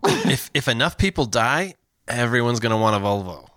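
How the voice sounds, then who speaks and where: A man co-hosting a casual comedic podcast, animated and jokey, quick to laugh. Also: medium pitch, no room sound, clean studio sound. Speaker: podcast co-host.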